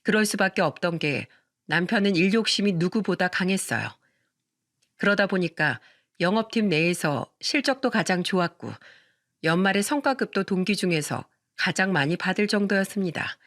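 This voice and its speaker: A woman narrating a scripted first-person story for an online radio-story channel. She talks to her listeners in a conversational way, often asking them questions. Her voice is bright and forceful, and the sound is close and dry. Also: medium pitch, expressive, normal speed, no echo.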